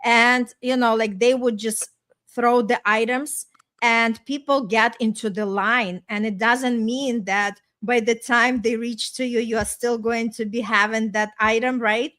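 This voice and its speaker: A woman's voice: on the high side, steady tone, measured pace, a bit bright. A middle-aged woman from Ukraine with an Eastern European accent, telling personal stories in an effusive, chatty way on a podcast. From small town in Ukraine, former Soviet Union. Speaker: podcast host and life coach. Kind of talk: casual personal storytelling in conversation.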